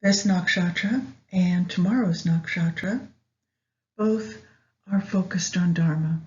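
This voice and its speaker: A woman leading a guided meditation in a measured way, pausing between short phrases. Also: lowish voice, darkish tone, muffled recording. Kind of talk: guided meditation with astrology commentary.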